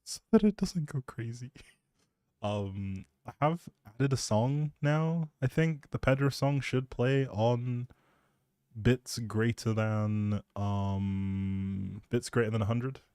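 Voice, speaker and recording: Man, mid-pitched voice, unhurried pace, casual livestream rambling, flustered, giggly. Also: mellow, smooth, no echo, studio quality. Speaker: livestreamer hosting a gaming stream.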